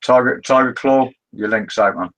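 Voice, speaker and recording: A man's voice: medium pitch, normal speed, noisy background. A man chatting casually as a co-host on a livestream. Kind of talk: casual chat.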